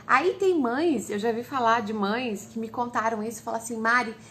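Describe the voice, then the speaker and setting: A woman's voice: on the high side, moderate pace, a bit bright, slight background noise. A woman with a Brazilian Portuguese accent, a parenting educator, explaining things patiently and speaking directly to the parents listening. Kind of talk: casual instructive talk to parents.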